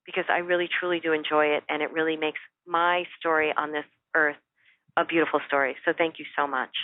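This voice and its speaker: A woman's voice: low voice, flat delivery, a little fast, no room sound. A woman speaking as a spiritual teacher and interview guest, giving earnest, emphatic motivational advice in a conversational way. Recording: phone-like, narrow-band dry call audio.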